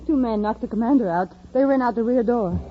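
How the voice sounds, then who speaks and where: A woman's voice: fairly high pitch, fairly quick, a little hiss or hum, natural voice. A woman playing a brave, earnest young factory worker in an old radio drama. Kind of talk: 1950s radio drama acting. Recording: dull lo-fi old radio recording.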